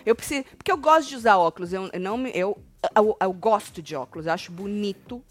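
A woman's voice: medium pitch, fast, soft background music. A woman with a Brazilian Portuguese accent hosting a casual gossip commentary, telling stories animatedly and swearing freely. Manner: animated storyteller, mimics voices, swears freely. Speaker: host.

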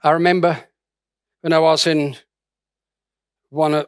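A man's voice: on the high side, level tone, measured pace, smooth, dry recording, studio quality. A middle-aged man from Austria preaching a sermon in a conversational way, with many restarts and fillers. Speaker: pastor.

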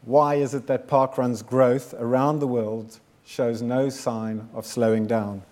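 Guy in his 50s giving a talk, steady earnest delivery, keeps stacking up repeated lines. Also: mid-range voice. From South Africa. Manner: measured, earnest, builds with repeated phrases. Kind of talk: prepared speech to an audience.

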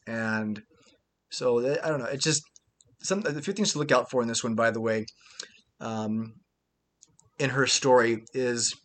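A male podcast host at an ordinary mid-range pitch, chatting loosely and circling back on himself with lots of ums and you-knows. He sounds easygoing and conversational as he introduces the episode. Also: a bit bright. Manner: rambling, filler-heavy, chatty. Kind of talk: casual podcast introduction and interview.

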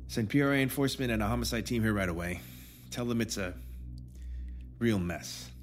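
Low-voiced, weary actor as futuristic lawman. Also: brisk, slight background noise, close to an everyday voice. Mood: weary, regretful. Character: world-weary male rejuvenation officer reporting a crime scene. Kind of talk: audio drama acting.

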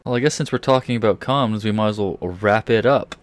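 A man's voice: lowish voice, fast talker. A man co-hosting a podcast casually, making dry teasing quips. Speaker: podcast co-host. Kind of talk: casual chat.

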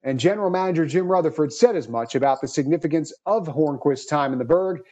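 A man's voice: fairly high pitch, animated, quick pace, a little mellow. A man hosting a hockey podcast, reading a fluent, upbeat scripted segment. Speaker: podcast host and hockey reporter.

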